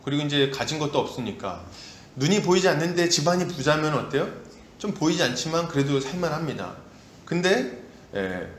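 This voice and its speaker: A male pastor gives a lively sermon, acting out the story and pressing the congregation with rhetorical questions. His voice sits somewhat high for a man and rings in an echoey church room with a faint hiss behind it. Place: church sanctuary.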